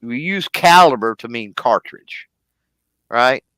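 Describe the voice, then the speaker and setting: A man's voice: medium pitch, expressive, takes it slowly, a bit bright, no room sound, low-quality recording. A man with an East Texas accent, co-hosting a podcast in casual chat, rambling and correcting himself as he goes. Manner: rambling, self-correcting, spells out names. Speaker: podcast co-host.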